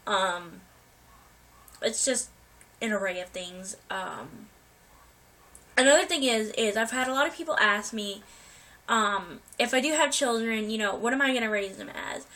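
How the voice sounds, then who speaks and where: Bright-voiced young woman with a cold. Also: a little high, a little slow, long pauses, low-quality recording. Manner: rambling, many ums and restarts. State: getting over a cold, coughing. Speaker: vlogger. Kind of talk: casual life update to viewers.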